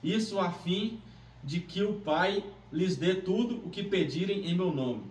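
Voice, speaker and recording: A man's voice: high voice, lively intonation, measured pace. A man with a Brazilian accent speaking earnestly as he leads a devotional Bible reading. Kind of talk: devotional introduction, prayer and Bible reading aloud. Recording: roomy, distant mic, faint background noise.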